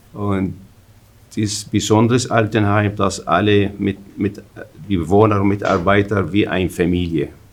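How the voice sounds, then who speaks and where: The man's voice sits fairly low. He talks at a moderate pace with fairly even intonation. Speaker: social care worker in a nursing home. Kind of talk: interview. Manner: halting.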